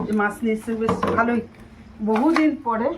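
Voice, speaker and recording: A woman's voice: a little high, fairly quick. A middle-aged woman chatting casually to viewers, repeating herself as she explains her cooking. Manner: repetitive, explaining each step to viewers. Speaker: home cooking vlogger. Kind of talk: casual vlog chat. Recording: noisy home recording with ambience.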